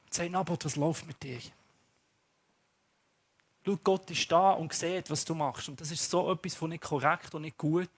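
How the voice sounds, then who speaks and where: A man with a Swiss accent voicing a stern prophet who gravely warns a king of consequences. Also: on the high side, steady tone, moderate pace, pauses often, natural voice.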